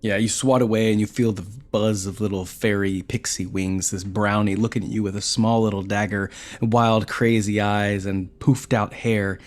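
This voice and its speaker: A man with a fairly low voice acts as game master. He narrates a tabletop game and prompts the players in the second person. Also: little pitch movement, moderate pace.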